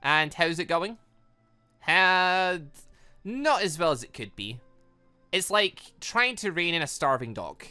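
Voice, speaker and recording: A man hosting a gaming video, thinking aloud and reading game dialogue in an excitable, animated way. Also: on the high side, takes it slowly, pauses often, clean tone, faint music behind. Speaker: gaming channel host.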